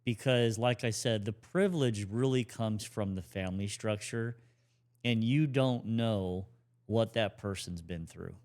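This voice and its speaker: A man in his forties with a low, smooth, resonant voice talks casually as a podcast co-host. He rambles a little and restarts his sentences as he goes. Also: a little slow. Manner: relaxed, rambling with restarts and fillers. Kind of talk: casual conversational talk.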